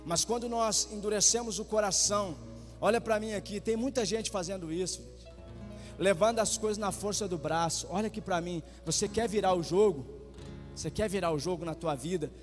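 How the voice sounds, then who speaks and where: A man's voice: high voice, fairly quick. A man in his forties with a Brazilian Portuguese accent, preaching a sermon and telling personal stories with passion, acting out quoted voices. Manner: impassioned, acts out quoted voices. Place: church sanctuary. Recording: reverberant church hall with faint music.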